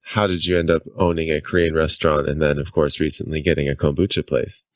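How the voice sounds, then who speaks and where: A man hosting a food and drink podcast, reading his intro and asking guests questions in a steady delivery. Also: extremely low pitch, quick pace, no room sound, clean studio sound. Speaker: podcast host. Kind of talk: scripted intro then interview questions.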